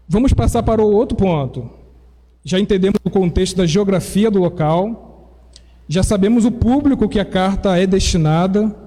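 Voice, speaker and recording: A man's voice: high-pitched, dark tone. A man from Brazil, preaching a sermon and explaining things step by step in a teacherly way. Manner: explanatory, teacherly, with self-corrections. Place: church. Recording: long reverb of a church hall.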